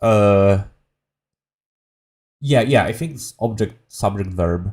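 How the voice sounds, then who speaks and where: The man speaks with a Polish accent. His pitch variation is ordinary. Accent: Polish, fairly strong. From Poland. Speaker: streamer. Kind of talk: casual chat. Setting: live stream. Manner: halting.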